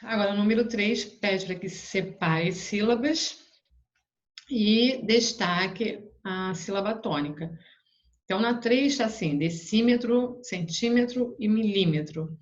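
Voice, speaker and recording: Brazilian woman teacher, patient step-by-step explainer, mid-pitched voice, dull lo-fi sound. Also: a little slow. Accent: Brazilian Portuguese. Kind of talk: homework walkthrough for young pupils.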